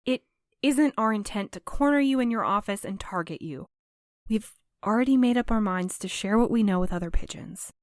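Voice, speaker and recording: A woman's voice: mid-range voice, moderate pace, dry recording, studio quality, lightly acted. A woman playing an earnest, reserved courier in an audio drama, choosing her words carefully and diplomatically. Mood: earnest, pleading. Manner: careful, formal, conciliatory. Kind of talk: audio fiction acting.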